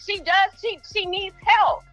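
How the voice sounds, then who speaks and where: High-pitched, insistent woman calling over the phone. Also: steady tone, a little slow, a bit bright, dry recording, lo-fi sound, faint music behind. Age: 40s. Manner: argumentative, insistent, repeats herself. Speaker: caller to a talk show. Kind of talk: heated call-in debate.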